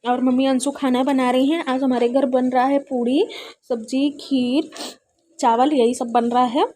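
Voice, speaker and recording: A woman's voice: sits high, little pitch movement, measured pace, darkish tone, slight background noise. A young woman chatting casually in a home vlog, laughing often as she talks, recorded indoors on a phone. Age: young adult. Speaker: vlogger.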